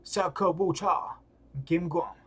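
A man's voice: high-pitched, fairly even intonation, slow pace, fairly bright tone, slightly rough. A man streaming a read-along, talking casually and slangily with muttered asides and reactions.

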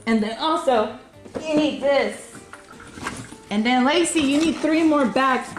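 Over music in a reverberant game room lined with arcade cabinets, a woman with a high voice chats at a measured pace. She's a YouTube convention reporter doing a casual show-and-tell of her convention gear, laughing often.

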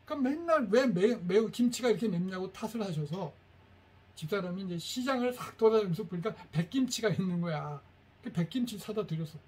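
A middle-aged man, a teacher, giving a lively workshop to parents and coaxing the audience to repeat phrases after him. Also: high voice, a little fast, breathy edge.

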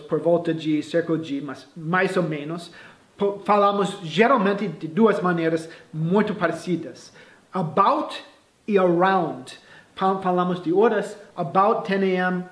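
A man with a high, light voice teaches English phrases at an easy pace. He often restarts his sentences and slips English words into his explanations. The room around him rings with echo. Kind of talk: casual bilingual lesson.

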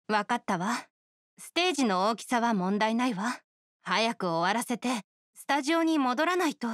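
A proud young oni woman from a video game, with a fairly high voice recorded dry and close. She is a star musician and a perfectionist. Her delivery is poised, exacting and sure of itself. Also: a bit bright, no room sound. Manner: poised, self-assured, exacting. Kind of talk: Japanese video game character voice lines.

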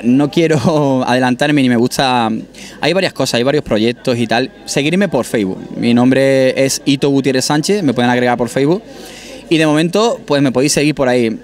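A young man from Málaga, chatting modestly with a few restarts while being interviewed outdoors on a restaurant terrace with a handheld mic. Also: medium pitch. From Málaga, Spain. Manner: friendly, modest, many restarts. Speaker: singer interviewed. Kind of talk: casual interview chat. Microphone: handheld mic held by interviewer.

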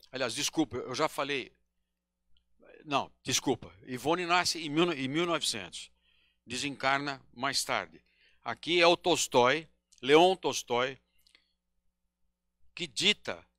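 A man in his sixties from Brazil gives a devotional lecture at a podium in a small hall, talking slowly and haltingly with pauses and self-corrections into a handheld microphone. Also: on the high side, pushed and bright, studio quality. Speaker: spiritist lecturer.

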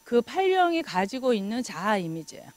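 A middle-aged woman giving a lecture in an animated way, laughing often and acting out remarks. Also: a little high, a little fast, dry recording.

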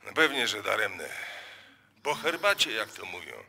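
A man's voice: lowish voice, very animated, moderate pace, gravelly, sharp tone, exaggerated voice. An actor playing an easygoing, cautious, plain-spoken male accomplice in a radio play, colloquial and reassuring. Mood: reassuring, casual. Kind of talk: live radio play acting.

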